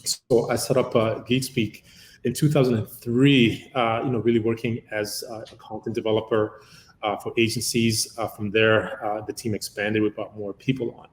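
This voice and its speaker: A low-voiced man in his fifties, originally from Uganda, tells his story at length and leans on "uh" fillers as he goes. The sound is roomy and echoey, with a faint rumble underneath. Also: flat delivery, normal speed. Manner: long-winded, many "uh" fillers. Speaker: guest, company founder. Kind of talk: conversational interview answer.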